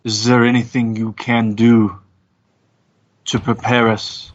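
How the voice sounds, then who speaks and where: A man playing a solemn, formal warrior from a bygone era in a tabletop game, speaking deliberately with many pauses. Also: medium pitch, little pitch movement, lo-fi sound, close to an everyday voice. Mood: solemn, measured. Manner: deliberate, formal, pausing often. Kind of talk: tabletop roleplay.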